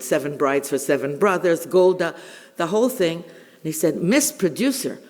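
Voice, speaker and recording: A woman's voice: sits low, darkish tone. Older Israeli woman storyteller in a reverberant hall. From Israel, born in Bulgaria. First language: Ladino. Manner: theatrical, wry, deliberate pauses. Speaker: public speaker, veteran journalist. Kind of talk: humorous personal storytelling to an audience.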